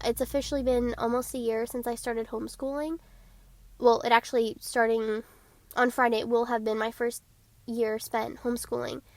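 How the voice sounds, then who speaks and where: Teen girl podcast host, stuffy nose, bubbly and quick, fairly high voice, dry close sound. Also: flat delivery, dry recording. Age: teens. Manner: bubbly, eager, talks quickly. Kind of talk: casual solo podcast chat.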